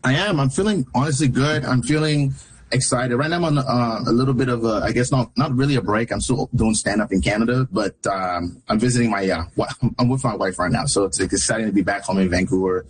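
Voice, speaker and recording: A man's voice: mid-range voice, quick pace, husky, poor audio. A young man who is a stand-up comedian, talking as an interview guest in a jokey, laid-back way with many fillers.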